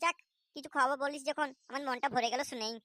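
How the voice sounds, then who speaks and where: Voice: high-pitched, steady tone, quick pace, natural voice. An actor voicing a wary but easily tempted young boy, the sidekick in a comedy cartoon. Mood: eager, teasing. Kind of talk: comic cartoon dialogue.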